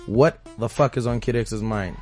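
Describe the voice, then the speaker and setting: Slangy South African radio host, music underneath. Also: male voice, fairly low pitch, normal speed, darkish tone. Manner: hyped, slangy, playful. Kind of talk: casual hip-hop radio chat. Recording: music playing behind.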